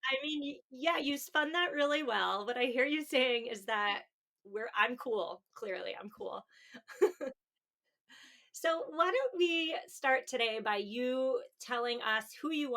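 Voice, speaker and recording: A woman's voice: on the high side, a bit bright. An American woman hosting a podcast, speaking in an upbeat, chatty interview style. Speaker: podcast host.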